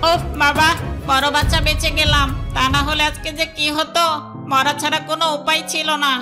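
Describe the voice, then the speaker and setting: Casting: female actor as wily young fox for a cartoon, high register, narrow pitch movement, wheedling and theatrical. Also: flat delivery, a little fast, lightly acted. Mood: relieved. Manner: dramatic, pleading, wheedling. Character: sly, quick-witted young fox, pleading and dramatic. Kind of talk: cartoon voice acting. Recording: music behind the voice. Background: music.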